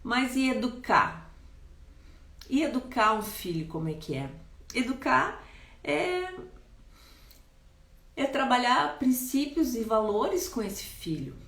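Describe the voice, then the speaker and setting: A woman with a Brazilian Portuguese accent giving parenting advice to camera, speaking deliberately with pauses and restarts. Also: a little high, sing-song, a bit bright. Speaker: parenting coach. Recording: echoey room.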